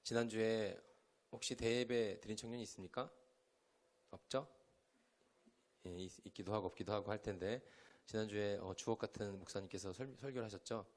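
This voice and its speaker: A man's voice: on the low side, brisk. A young male pastor from Chungcheong, South Korea, giving a conversational sermon to a youth group in a church hall and quizzing the listeners with questions.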